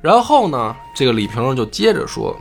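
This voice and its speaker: Lively man telling a story. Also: medium pitch, a little fast, creaky, soft background music. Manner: animated, colloquial, swears freely. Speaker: podcast host retelling a classic novel. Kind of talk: casual storytelling chat.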